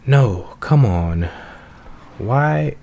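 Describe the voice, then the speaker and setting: Man putting on an earnest, upbeat schoolgirl, pitched up. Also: lively intonation, drawn-out words, vocal fry, dark tone, soft background music, full character voice. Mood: defensive. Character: cheerful, defensive schoolgirl who senses emotions. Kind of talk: hammy visual novel read-aloud.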